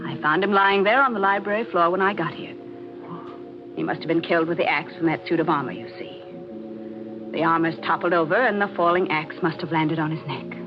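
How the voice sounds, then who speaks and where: An actress playing an intense, insistent woman with an obsessive streak, dramatic and deliberate in 1940s radio mystery style. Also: on the low side, lightly acted. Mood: horrified. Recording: muffled old-time radio recording with music.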